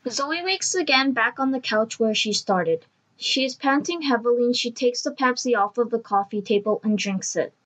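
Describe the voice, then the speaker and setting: A woman's voice: fairly high pitch, normal speed, fairly bright tone, low-quality recording. A woman reading scripted story narration as the narrator of an audio drama.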